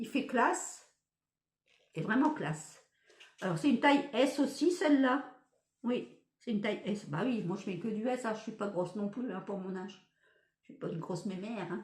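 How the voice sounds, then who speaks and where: A woman with a fairly high, somewhat breathy voice speaks at a moderate pace with lively intonation, big swings in loudness and long, frequent pauses. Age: 60s. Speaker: fashion haul vlogger. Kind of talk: casual chat. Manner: animated.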